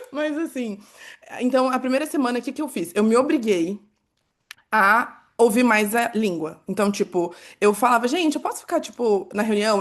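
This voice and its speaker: A woman talks at a moderate pace with fairly high pitch. Her pitch varies in an ordinary way, and the background is quiet. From Brazil. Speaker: advertising creative, art director. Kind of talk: panel discussion. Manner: animated, casual.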